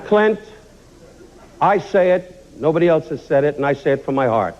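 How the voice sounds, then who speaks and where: A man's voice: fairly high pitch, lively intonation, moderate pace, dull audio, noisy background. An older man delivering a roast speech, full of teasing, mock-sincere put-downs. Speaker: roast speaker.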